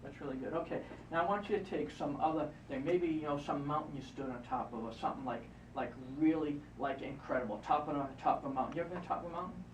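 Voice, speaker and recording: A hypnotist guiding a volunteer through a live exercise, repeating encouraging instructions. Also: male voice, on the high side, fast, hardly any pauses, a little hiss or hum. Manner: coaching, repetitive, encouraging. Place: event room. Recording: roomy, distant, muffled live event recording.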